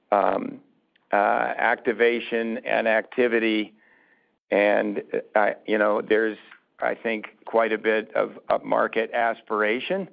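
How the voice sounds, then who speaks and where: Halting, gravelly man on a phone line. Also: on the low side. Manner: halting, deliberate, often restarting phrases. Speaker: company executive answering questions. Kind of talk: unscripted answers on an earnings call. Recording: muffled narrowband phone conference line.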